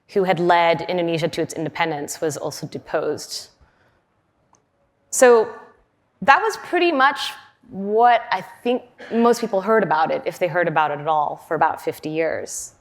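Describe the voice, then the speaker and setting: Chatty woman giving a conference keynote. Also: normal speed. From Western Canada. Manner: chatty, with fillers and laughs, lively pitch swings. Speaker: conference speaker. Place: large conference hall.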